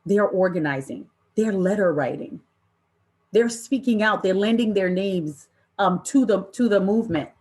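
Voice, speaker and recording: A woman presenting an interactive online training session in an impassioned, deliberate way, with emphatic repetition and rhetorical questions. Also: mid-range voice, darkish tone. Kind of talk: impassioned interactive workshop talk to an online audience.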